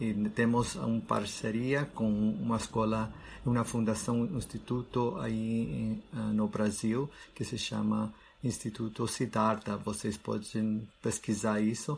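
A man's medium-pitched voice with a non-native accent, fairly even intonation and a very slow pace. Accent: non-native Portuguese speaker, learner. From United States. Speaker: education researcher, math teacher trainer. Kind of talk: interview conversation. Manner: halting, hesitant.

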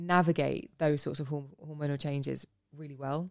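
Intonation here stays fairly even. The delivery is fairly slow. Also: woman. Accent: southern English. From England, Kent. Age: 40s. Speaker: beauty journalist and podcaster. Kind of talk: casual chat.

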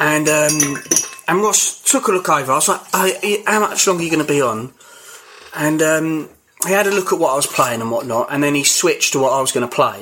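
A man with an English accent uses lively intonation and a fairly high pitch over noticeable background noise. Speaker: podcast guest. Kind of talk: casual chat. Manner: loud.

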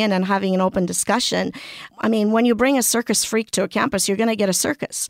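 A woman's unremarkable speaking voice at a fairly quick pace, with ordinary pitch variation and a dry, close sound with no echo. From Romania, raised in Canada from age eleven. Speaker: former far-right recruiter turned activist. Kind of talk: interview testimony.

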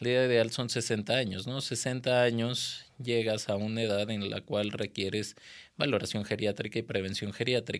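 A man at a medium pitch with monotone, flat intonation and a moderate pace, in a very clean recording with a silent background. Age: young. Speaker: geriatrician. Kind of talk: interview.

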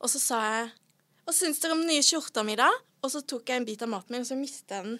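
Raised and projected, this voice carries a bright, sharp tone. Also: woman, very clean recording, silent background. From Southern Norway (Sørlandet). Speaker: childhood cancer survivor and speaker. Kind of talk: interview. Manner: hesitant, with many fillers.

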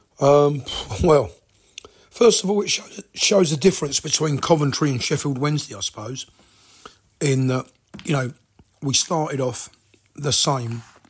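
Somewhat breathy and fairly high in pitch, a man speaks with ordinary pitch variation and long, frequent pauses. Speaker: caller, football fan.

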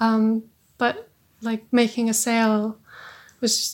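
Monotone, flat intonation with an Icelandic accent, on a very clean recording with a silent background. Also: woman. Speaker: author and historian. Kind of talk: interview. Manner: hesitant, many fillers.

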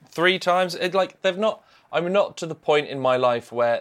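Speaking in an English accent, a man uses lively intonation. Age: 30s. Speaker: podcast co-host. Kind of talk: casual chat. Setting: livestream, remote call.

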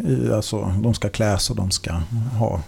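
A man's fairly low voice with vocal fry, at a moderate pace. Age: 40s. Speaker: journalist. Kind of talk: casual chat.

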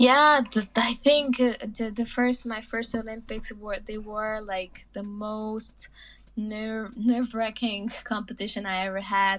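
A woman with a Portuguese accent speaks at a very slow pace, her fairly high voice keeping fairly even intonation. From Portugal. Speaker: triple jumper. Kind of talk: interview. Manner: halting.

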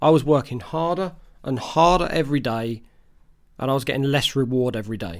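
Speaking at a fairly quick pace, a man with a medium-pitched voice uses lively intonation. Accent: English. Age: 40s. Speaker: podcast host. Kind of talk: solo podcast monologue. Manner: halting, repeats words.

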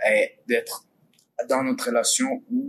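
This man speaks at a very slow pace. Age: 20s. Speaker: theatre student. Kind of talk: casual chat.

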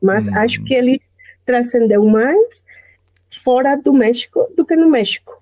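A woman speaks at high pitch in a dark, mellow tone, with very even loudness and ordinary pitch variation. Her fairly slow delivery has long, frequent pauses in a dry, close sound with no echo. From Mexico. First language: Spanish (speaking Portuguese). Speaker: teacher. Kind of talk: casual chat.

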